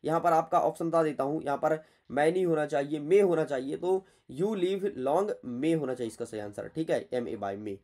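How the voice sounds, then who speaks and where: A man's voice: a little high, normal speed, few pauses, darkish tone. A man teaching through an exam paper, blunt and chatty, scolding students as he goes. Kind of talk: exam paper walkthrough lesson.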